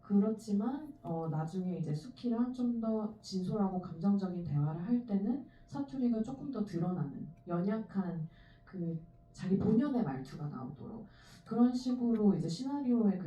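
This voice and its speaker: A screenwriter at a film Q&A explains her choices in a measured way with thinking pauses, recorded from the audience in a cinema. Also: on the low side, mellow, slight background noise. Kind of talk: panel Q&A answer. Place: cinema auditorium. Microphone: handheld mic heard through hall speakers, filmed from the audience. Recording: distant echoey audience phone recording.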